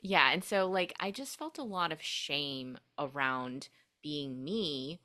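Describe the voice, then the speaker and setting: Young woman with a low voice, reflective podcast guest with many fillers, grew up speaking Korean first. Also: animated, takes it slowly, pushed and bright. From United States. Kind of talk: casual interview storytelling.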